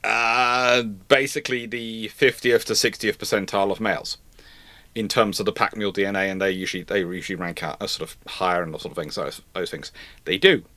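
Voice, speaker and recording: A man with a bright, forceful voice in a dry, close recording. He talks in a casual panel style, emphatic and rambling, often circling back to rephrase his point. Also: lowish voice, fairly even intonation, fairly quick, no room sound. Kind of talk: casual live panel chat.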